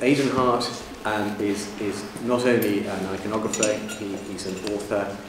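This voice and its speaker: A man's fairly low, monotone, flat voice at a moderate pace, with long, frequent pauses, audible room echo and noticeable background noise. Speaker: researcher introducing the speaker. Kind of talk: formal introduction speech. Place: hall. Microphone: camera far.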